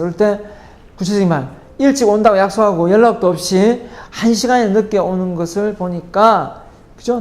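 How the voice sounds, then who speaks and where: A woman lecturing in a parenting course, who keeps asking her listeners rhetorical questions and acts out what spouses say to each other. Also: mid-range voice. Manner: keeps checking in with the audience through rhetorical questions; acts out spouses' lines in lively quoted dialogue.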